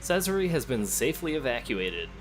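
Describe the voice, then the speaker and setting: A let's play host talks his way casually through a game, thinking aloud, addressing the characters, and sometimes reading game text. His mid-range voice swings widely in pitch at a normal speed, heard over music in a poor-quality recording.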